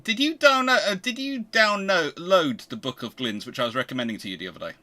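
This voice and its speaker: A man's voice: fairly high pitch, animated, brisk, bright, forceful tone. A man hosting a casual history livestream, talking in an effusive, rambling way. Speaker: host of a naval history livestream.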